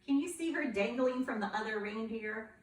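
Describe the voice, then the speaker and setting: A woman reading a children's picture book aloud in a playful, expressive way, asking her young listeners questions. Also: fairly high pitch, moderate pace, roomy sound, distant mic, slight background noise.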